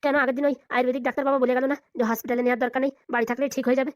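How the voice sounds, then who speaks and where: A performer plays a fawning cartoon servant with a sly streak and a Bengali accent. The pitched-up voice is high and chatters very quickly, always deferential and coaxing. It sounds dry and close. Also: flat delivery, no echo. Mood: sly, persuasive. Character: fawning, sly servant-assistant to a politician's family. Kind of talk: Bengali comedy cartoon voice acting.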